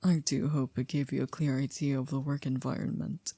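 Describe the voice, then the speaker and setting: A woman playing a poised, coolly controlling maid to a vampire in an ASMR roleplay, speaking formally and politely in a hushed, breathy, often near-whispered voice. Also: rumbling low, flat delivery, no echo, exaggerated voice. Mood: courteous, composed. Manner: formal, polite, measured, with stiff wording.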